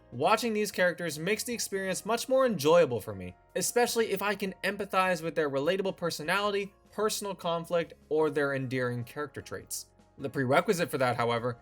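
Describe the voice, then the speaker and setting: A young man hosting a scripted video essay, delivering wry, opinionated commentary. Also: on the high side. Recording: faint music behind the voice.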